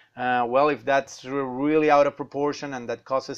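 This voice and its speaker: With a Spanish accent, a man talks at a moderate pace and a medium pitch. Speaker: university lecturer. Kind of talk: lecture. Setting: classroom. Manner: halting, with many fillers and repetitions.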